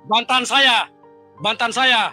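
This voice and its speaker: Angry, insistent man with a piercing high voice. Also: a little slow, soft background music. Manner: angry, insistent, repeats himself, shouts insults. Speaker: debate opponent on live stream. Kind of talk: heated live-stream argument.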